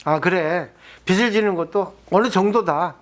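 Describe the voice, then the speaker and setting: A man's voice: sits high, normal speed. A male Buddhist monk giving a dharma talk, explaining patiently and asking his listeners rhetorical questions.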